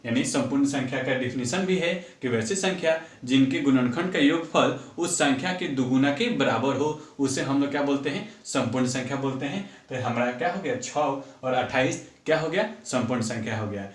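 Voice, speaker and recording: A man's voice: mid-range voice, fairly quick, hardly any pauses. A man teaching a math lesson, counting sums aloud and asking himself questions before answering them. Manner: repeats numbers aloud while working sums, asks and answers own questions. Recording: echoey room, far from mic.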